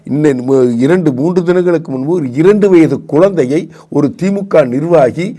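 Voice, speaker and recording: A man's voice: fairly high pitch, normal speed, mellow. A man, giving combative political commentary on a talk show and firing off repeated rhetorical questions.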